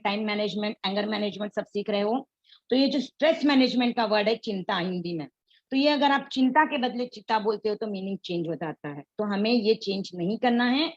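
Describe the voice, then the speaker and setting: A woman's voice: on the high side, highs cut off. A woman teaching an online class on pronunciation, explaining patiently and mixing English words into her Hindi.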